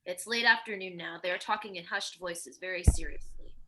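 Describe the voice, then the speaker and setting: A woman's voice: fairly low pitch, a little fast, bright, forceful tone, slight background noise, poor audio. A woman narrating a screenplay, reading stage directions in a scripted table-read style.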